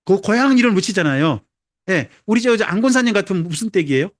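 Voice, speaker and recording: A pastor preaches in a high, animated voice, keeping his sermon chatty and humorous. He keeps putting questions to the congregation. The recording is dry and close, with little room sound. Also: fast talker, no room sound. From Jeolla, South Korea.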